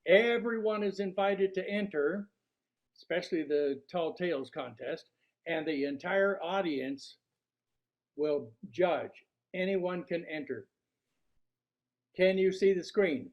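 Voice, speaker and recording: An older man speaks to a club in a notably high voice. His delivery is deliberate and theatrical, built like a prepared workshop speech. The recording sounds muffled and low in fidelity. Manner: deliberate, showman-like delivery with rhetorical questions. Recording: dull, lo-fi sound.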